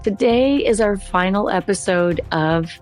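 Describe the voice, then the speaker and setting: A middle-aged woman hosting a podcast with a hoarse voice that is still recovering, chatting in an upbeat way. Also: medium pitch, measured pace, loud music behind the voice. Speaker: podcast host. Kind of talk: podcast intro, casual chat.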